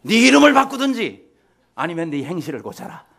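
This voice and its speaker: A man's voice: high-pitched, very animated, a little fast, vocal fry, exaggerated voice. A man voicing a furious, commanding male emperor who barks his orders. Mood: stern. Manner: shouting, barking orders.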